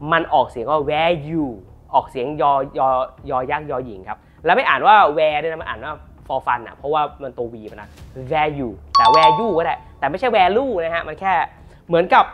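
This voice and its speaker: A man from Thailand giving a casual, animated football talk to camera as a commentator, chatty and joking. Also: on the high side. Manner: chatty and animated, jokes about the club, playful asides on pronunciation.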